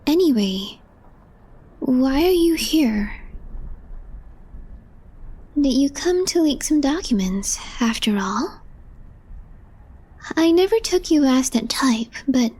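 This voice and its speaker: A woman playing a calm, deadpan, quietly mischievous young office coworker in an ASMR roleplay, speaking softly in a hushed, understated way. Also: high voice, slow pace, pauses often. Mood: sly, curious. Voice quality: soft, breathy, hushed.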